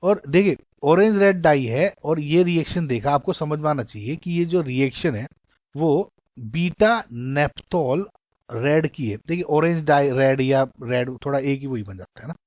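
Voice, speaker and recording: A man's voice: fairly high pitch, a little mellow, no room sound, clean studio sound. A man with an Indian accent explaining chemistry exam questions in a conversational way, often addressing the viewers as guys. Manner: conversational, mixes English terms, addresses "guys". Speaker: chemistry teacher.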